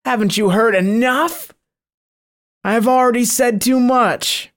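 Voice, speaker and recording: A storyteller voices a sly devil in the form of a huge cat, answering in a higher, pinched tone that is slow and fairly bright. The creature whines and holds back, cowering under threat in a pleading mood.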